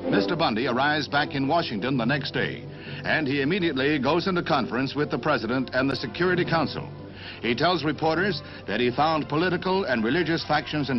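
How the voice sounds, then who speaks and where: Music plays in the background as a man speaks with lively intonation at a fairly high pitch. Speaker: newsreel narrator. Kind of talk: 1960s newsreel narration. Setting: vintage film recording. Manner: brisk, authoritative.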